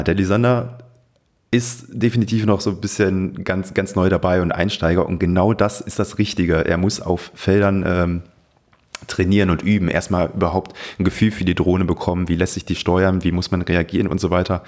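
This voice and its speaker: A man's voice: sits low, fairly even intonation, a little fast, darkish tone. A man co-hosting a podcast in casual conversation. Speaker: podcast co-host.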